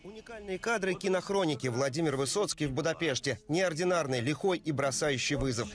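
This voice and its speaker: A man narrating a scripted news report in a measured, solemn voice-over. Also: a little high, lively intonation. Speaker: news correspondent. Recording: voice-over with music bed.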